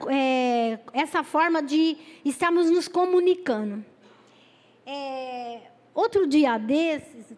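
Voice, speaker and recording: Brazilian lady preacher, high voice, halting, repeats herself, echoey church. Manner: halting, repeats words, calls listeners brothers. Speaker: lay preacher. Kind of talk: sermon with personal storytelling. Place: church hall.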